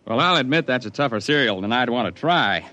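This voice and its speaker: An actor playing a mountain climber who narrates the story and trades wry jokes, in a radio drama. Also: male voice, mid-range voice, animated, brisk, bright, forceful tone, lo-fi sound. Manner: wry, joking.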